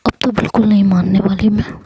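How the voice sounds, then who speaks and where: A woman's voice: medium pitch, flat delivery, quick pace, dark tone, slight background noise, lightly acted. A woman voicing Rabia, a sulky, tearful young woman. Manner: sulky, pouting.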